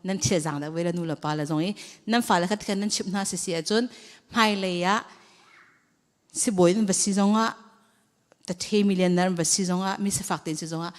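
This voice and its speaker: A woman's voice: fairly low pitch, brisk. A woman leading a church training session, talking conversationally to a group. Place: church hall. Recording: long hall reverb.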